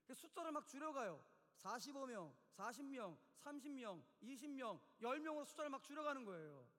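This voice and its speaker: A male pastor preaching a sermon in a church, telling the story in an animated way and acting out the quotes. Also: very high voice, fairly quick. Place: church sanctuary. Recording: long church hall reverb.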